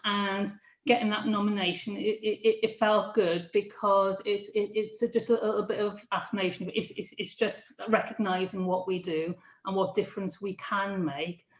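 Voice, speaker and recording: A middle-aged woman, a careers adviser, talking in a halting, laughing interview manner with many restarts. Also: medium pitch, steady tone. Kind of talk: casual interview chat. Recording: echoey room.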